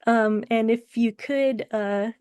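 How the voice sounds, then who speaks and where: A woman's voice: on the high side, steady tone, slow pace, darkish tone, clean tone, no room sound. A woman interviewer chatting casually, a little hesitant and giggly as she talks.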